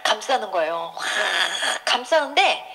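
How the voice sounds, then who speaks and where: A woman's voice: mid-range voice, expressive, measured pace, creaky, pushed and bright. A woman telling her personal faith testimony in an emotional storytelling manner, acting out the voices she quotes. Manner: vivid storyteller who acts out the quoted voices. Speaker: church testimony speaker.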